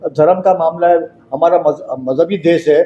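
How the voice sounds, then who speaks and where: Guy with a high but soft-edged voice explaining stuff firmly to reporters at a presser. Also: moderate pace, muffled recording, a little hiss or hum. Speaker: speaker answering reporters at press conference. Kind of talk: impromptu explanation.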